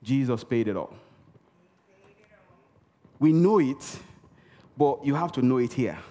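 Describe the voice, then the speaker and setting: A medium-pitched, mellow voice, animated but slow, carries this sermon through a reverberant church hall. The man is emphatic and repetitive, repeating key words for effect and calling out for the congregation to answer.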